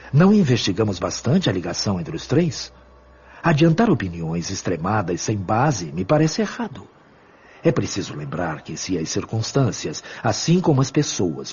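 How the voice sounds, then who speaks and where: An actor playing a wise, benevolent spiritual mentor in a radio drama, speaking in a measured, formal, teaching manner. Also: male voice, fairly low pitch, darkish tone, husky, highs cut off, exaggerated voice.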